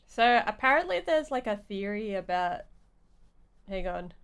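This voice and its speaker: A woman game streamer giving casual live commentary, rambling and halting as she thinks aloud. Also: medium pitch, very animated, fairly bright tone, clear, resonant tone.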